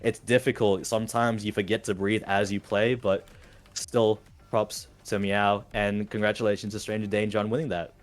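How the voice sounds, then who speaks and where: A man's voice: lowish voice, normal speed, faint music behind. Australian man calling a fighting game. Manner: steady analytical calls with rising excitement on big moments. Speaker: esports caster. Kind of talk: fighting game play-by-play and analysis.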